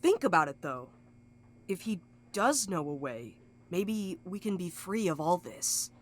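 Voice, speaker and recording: A woman's voice: fairly low pitch, very animated, unhurried, slight background noise. A woman playing a blunt, sardonic courier with an impatient streak in an audio drama. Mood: urgent. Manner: blunt, sarcastic. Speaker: voice actor in a fiction podcast. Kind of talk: scripted audio drama acting.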